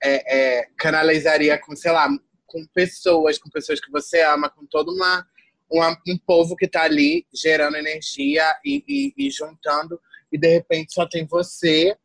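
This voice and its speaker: A young adult woman from Salvador, Bahia, a tired guest artist talking in an animated, slangy way full of restarts. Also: low voice, moderate pace, no room sound, rough recording. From Salvador, Bahia, Brazil. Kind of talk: casual conversation.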